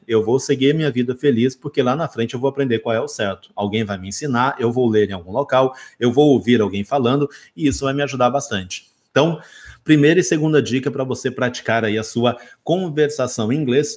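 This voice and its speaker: A Brazilian man speaking Portuguese with a Brazilian accent, teaching English in a casual video lesson. He talks straight to the viewer and acts out quick examples. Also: mid-range voice.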